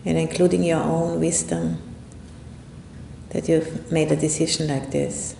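A woman giving a guided meditation talk as a meditation teacher, speaking in an unhurried, reflective way with long pauses. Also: steady tone, gravelly, dark tone. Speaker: Buddhist nun and meditation teacher. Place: indoor room at a retreat center. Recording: roomy echo, faint rumbling background noise.

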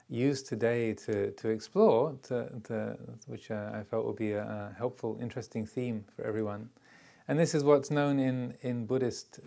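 An older man giving a reflective dharma talk as a Buddhist teacher, speaking haltingly with many pauses and hesitations. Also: medium pitch, creaky, a little mellow. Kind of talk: dharma talk to a retreat group.

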